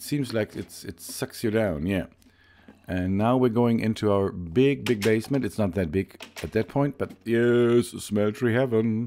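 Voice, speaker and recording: With a German accent, a man talks at a medium pitch with ordinary pitch variation. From Germany. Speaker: gaming YouTuber. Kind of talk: let's play commentary. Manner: halting.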